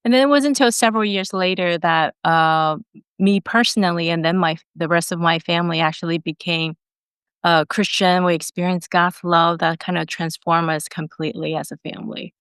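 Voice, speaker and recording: A woman in her forties from Taiwan talks as a podcast guest, earnest and reflective. Her voice sits a little low and sounds smooth and clear. The recording is dry, with no room echo. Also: steady tone, normal speed, fairly bright tone. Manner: earnest and reflective, with fillers and restarts. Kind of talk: conversational interview storytelling.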